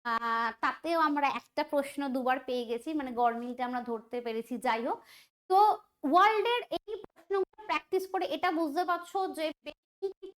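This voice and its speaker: A woman's voice: sits high, fairly quick, fairly bright tone. A woman teaching an online quiz lesson, chatty and thinking aloud, often asking the students questions. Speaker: exam prep teacher.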